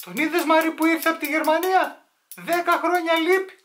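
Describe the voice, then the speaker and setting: A man voicing gossiping old village aunties in a high, shrill, nagging tone. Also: fairly even intonation, fairly bright tone, a little hiss or hum.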